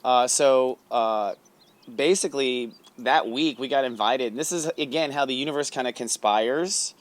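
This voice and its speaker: Male host, smooth clear voice, mid pitch, rambling casual storytelling with lots of "like" and "um". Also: moderate pace. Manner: rambling, chatty, many fillers and restarts. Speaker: astrology host and psychic reader. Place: outdoors, plane heard overhead.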